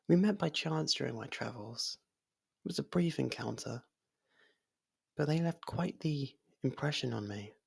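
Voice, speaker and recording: A performer voicing a gentle, lovestruck faerie in an intimate ASMR roleplay, breathy and half-whispered, speaking in a hesitant, halting way. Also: medium pitch, exaggerated voice. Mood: tender, smitten. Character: soft-spoken, lovestruck young faerie royal, shy, possessive.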